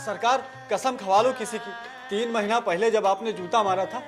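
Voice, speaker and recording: A man playing a poor villager who meekly flatters his master, with obsequious rustic speech, in a rural drama. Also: high voice, moderate pace, over music, lightly acted. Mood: pleading. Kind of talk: Hindi rural period drama acting.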